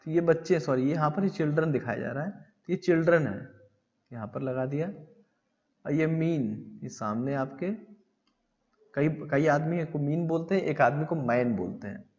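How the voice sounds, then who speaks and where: A man teaching English grammar in a classroom style. He reads English lines slowly, explains them in Hindi, and asks questions that he answers himself. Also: a little high, a little mellow. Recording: dull lo-fi audio with long reverb.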